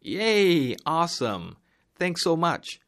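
A man reading the part of a cheerful young worker in a textbook dialogue, lifting his voice higher. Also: extremely slow, exaggerated voice. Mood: excited. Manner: bright, excited lines.

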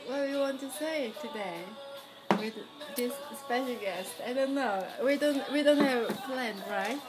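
A woman's voice: high-pitched, loud music behind the voice, poor audio. A Korean woman hosting a podcast in English, her second language, speaking hesitantly with frequent small laughs. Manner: slow, hesitant, laughs often. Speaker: podcast host. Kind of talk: casual conversation.

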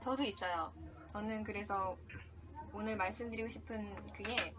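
A woman's voice: medium pitch, steady tone, normal speed. A woman from South Korea hosting a conversational podcast lesson, teaching English pronunciation in an informal, giggly way.

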